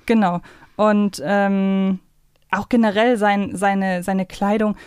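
A woman's voice: medium pitch, fairly even intonation, takes it slowly, a little mellow, clean tone, no echo. Woman in dry, close sound. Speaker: podcast co-host. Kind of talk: casual podcast discussion of an audio drama series.

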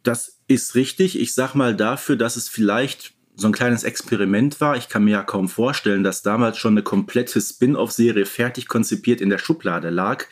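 A man talks as a podcast co-host at a medium pitch. He gives detailed explanations in a relaxed conversational style, like informed commentary between friends. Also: normal speed, hardly any pauses. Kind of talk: casual, informed commentary on audio play series.

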